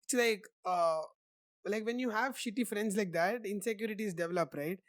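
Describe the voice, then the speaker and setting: A man's voice: high voice, normal speed, dry recording, clean studio sound. Young man rambling with many fillers. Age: young adult. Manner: rambling, heavy use of "like" fillers. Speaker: podcast host. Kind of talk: casual conversational interview answers.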